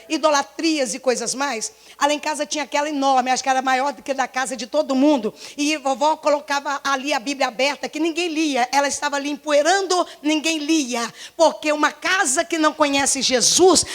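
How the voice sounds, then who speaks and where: A woman pastor in her forties with a Brazilian Portuguese accent, preaching a fervent sermon in a church, her voice slightly hoarse, repeating herself and firing rhetorical questions. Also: sits high, moderate pace, few pauses, a bit bright. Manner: impassioned, repetitive, many rhetorical questions. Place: church service.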